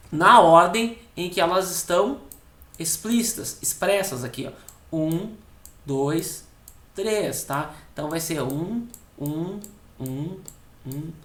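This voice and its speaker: A man with a southern Brazilian accent teaching an exam-prep lesson, explaining step by step and tagging nearly every phrase with a quick check-in question. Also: high-pitched, a bit bright. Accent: southern Brazilian (Rio Grande do Sul). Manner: repeats key words slowly for emphasis. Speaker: Portuguese teacher for civil service exams. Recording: echoey room.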